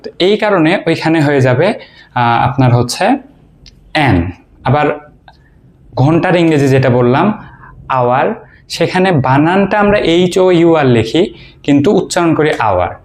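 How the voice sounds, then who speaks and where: A man from Bangladesh teaching basic English grammar in an informal video lecture. He explains step by step, pauses often to think, and asks the listener questions that he answers himself. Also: a little high, lively intonation, darkish tone. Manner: frequent hesitations and fillers while he thinks.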